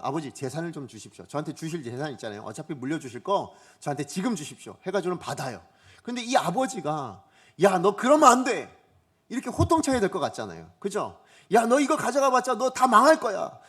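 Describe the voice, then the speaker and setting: Pastor, male, high husky voice; preaches with swooping intonation and acts out quoted lines. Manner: asks the congregation questions and acts out quoted voices. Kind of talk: Sunday morning sermon. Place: church sanctuary.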